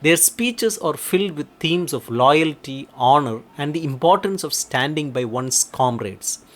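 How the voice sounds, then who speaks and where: A man reading a scripted educational narration in a measured, formal way. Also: on the high side, lively intonation. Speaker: narrator of a literature explainer.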